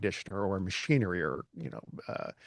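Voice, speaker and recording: Over a quiet background, a man with an ordinary speaking voice talks at a fairly quick pace, his intonation lively and the sound dry and close with no echo. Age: 60s. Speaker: voice-over artist. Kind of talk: casual panel discussion.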